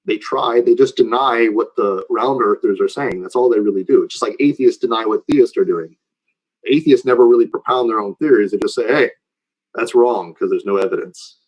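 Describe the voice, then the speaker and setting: A man's voice: lowish voice, a little fast, a little mellow, low-quality recording. A man lecturing informally and taking questions, explaining in a conversational way and often checking that listeners follow.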